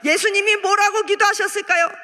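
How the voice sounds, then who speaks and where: A middle-aged woman preaching a fervent revival sermon in a large prayer hall, moving between chatty asides and loud cries. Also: very high-pitched, fairly even intonation, a little fast. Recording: long hall reverb.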